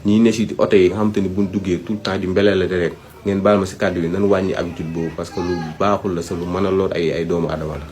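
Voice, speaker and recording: Low-voiced Senegalese man, emphatic advice talk. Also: flat delivery, fast talker, darkish tone. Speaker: speaker giving health advice. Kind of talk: informal advisory talk, Wolof mixed with French.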